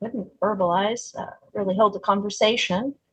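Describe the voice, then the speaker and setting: This is a woman with a fairly high voice. She sounds somewhat breathy. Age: 60s. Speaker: dance and healing movement instructor. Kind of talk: casual chat.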